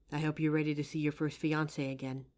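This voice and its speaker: A woman playing a kind, playful psychic who gently helps a ghost in an audio roleplay. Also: sits low, close to an everyday voice. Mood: quiet, wistful. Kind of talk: audio roleplay addressed to the listener.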